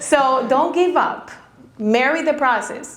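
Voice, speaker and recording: There is audible room echo around a woman's voice. Her pitch varies in an ordinary way. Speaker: real estate agent. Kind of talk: conference presentation. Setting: stage with audience. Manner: fast.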